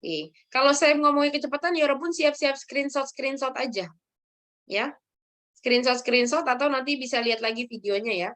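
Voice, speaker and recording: A woman teaching a language lesson, ending phrases with quick check-ins to her students. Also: high voice, fairly bright tone. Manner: tags sentences with "ya" and calls on students.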